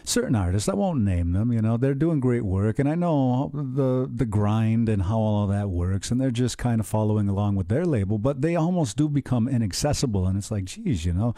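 A man's voice: lowish voice, lively intonation, fairly quick, hardly any pauses, dark tone, no echo, studio quality. A middle-aged man hosting a radio show, earnest and enthusiastic, talking in long rambling turns. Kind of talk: conversational radio interview.

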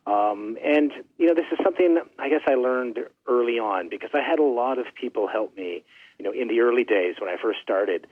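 A middle-aged man from Canada, a record label owner, chatting as an interview guest with a friendly, halting manner full of fillers. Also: mid-range voice, dry recording. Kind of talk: casual interview chat. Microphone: phone line. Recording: tinny phone-line audio.

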